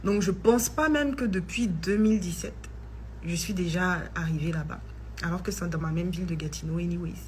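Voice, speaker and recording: A woman's voice: on the low side, a little fast, slight background noise. A woman who tells a personal faith testimony in a chatty vlog, dropping in English phrases. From Ivory Coast. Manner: chatty, mixes in English phrases, grows excited. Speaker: vlogger.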